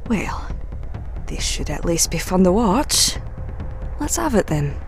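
A woman's put-on character voice, fairly low in pitch, with big pitch swings and a slow pace over clear background music.

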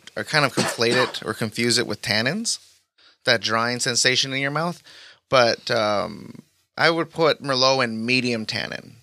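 The sound is dry and close, with no echo. A man with a bright, sharp tone and medium pitch speaks at a moderate pace with ordinary pitch variation. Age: 30s. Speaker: winemaker. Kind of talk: casual chat.

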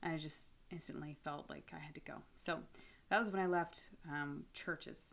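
Speaking with a Canadian accent at a moderate pace, a woman uses a very deep, low pitch with vocal fry, fairly even intonation and big swings in loudness. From Fredericton, New Brunswick, Canada. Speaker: musician. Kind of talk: casual chat. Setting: studio.

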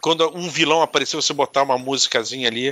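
Bright and sharp in tone, a fairly high-pitched man speaks at a very fast pace. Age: 40s. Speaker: tabletop RPG game master and writer. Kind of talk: casual chat.

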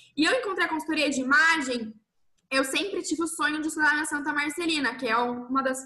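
A woman speaks in a raised, projected voice. Her tone is bright and sharp, with a high pitch. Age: 20s. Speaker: image and style consultant. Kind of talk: casual interview chat.

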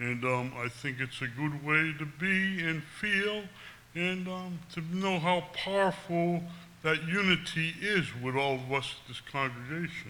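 A man speaks at a fairly slow pace in a fairly high pitch. His pitch varies normally, but his loudness swings widely. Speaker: congregant giving testimony. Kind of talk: testimony. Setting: church. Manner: halting, with fillers.

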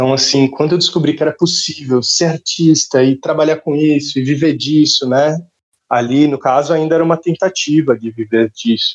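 At a moderate pace, a man with a fairly high pitch and an unremarkable speaking voice keeps his intonation fairly even. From Brazil, São Paulo city. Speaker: film editor and documentary director. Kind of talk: interview.

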